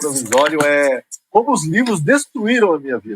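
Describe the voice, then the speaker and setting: This man speaks at a moderate pace. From Curitiba, southern Brazil. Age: 40s. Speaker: columnist and writer. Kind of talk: casual interview.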